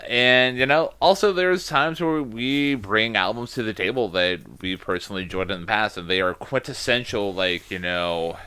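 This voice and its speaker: Male podcast co-host, lower-pitched, smooth and resonant, casual and rambling. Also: moderate pace, hardly any pauses, sharp tone, no echo. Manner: rambling, self-deprecating, lots of filler words.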